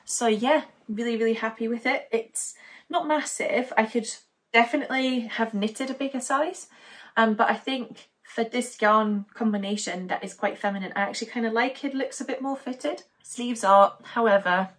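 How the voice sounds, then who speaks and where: A woman's voice: fairly high pitch, normal speed, fairly bright tone. A young woman from Denmark chatting casually to camera at home as a knitting podcaster, upbeat and rambling with many fillers. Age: young adult. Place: living room at home, indoors.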